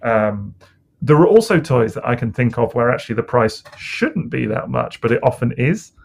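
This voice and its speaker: A man with a gravelly, creaky voice talks in a relaxed podcast chat. He rambles and hesitates, doubling back with fillers as he thinks aloud. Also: medium pitch, normal speed. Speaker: podcast co-host. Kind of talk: casual chat.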